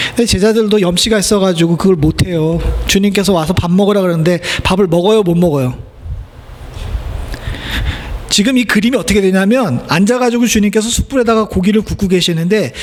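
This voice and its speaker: A man's voice: high-pitched, a little hiss or hum. A middle-aged male pastor giving a sermon in a church, preaching conversationally and asking the congregation rhetorical questions. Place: church sanctuary.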